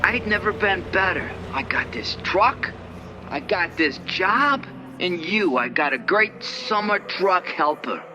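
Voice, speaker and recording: Storybook villain played by a male narrator: menacing truck boss, gruff street-tough bully, slightly high and slow, over music. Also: lively intonation, pushed and bright, heavily acted. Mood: quietly unsettling. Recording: music behind the voice.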